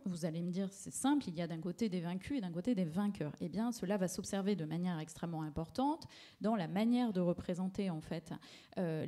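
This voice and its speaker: An art historian gives a public lecture on paintings, talking through slides with lots of fillers and restarts. She has a medium-pitched voice with a dark tone.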